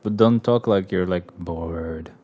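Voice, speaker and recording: A man's voice: sits low, takes it slowly, warm tone, soft background music. A man streaming a game, chatting casually and muttering and swearing at what happens on screen. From Albania. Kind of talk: casual gameplay chat.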